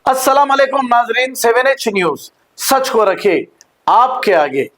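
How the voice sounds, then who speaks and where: A woman's voice: a little high, animated, unhurried, noisy background. A woman reads a scripted news introduction as a presenter. Her delivery is that of an anchor leading viewers into a report.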